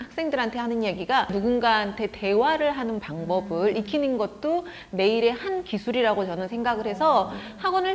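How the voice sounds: Over noticeable background noise, a woman talks at a fairly quick pace, her fairly high pitch making very wide swings.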